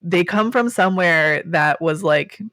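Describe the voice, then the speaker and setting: A woman hosts a podcast conversation, reflecting and asking questions in a loose style packed with fillers. Her voice is a little low, and the sound is very dry, with no room at all. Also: a little slow, a bit bright, no room sound. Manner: thoughtful, uses many fillers. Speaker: podcast host. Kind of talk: casual chat.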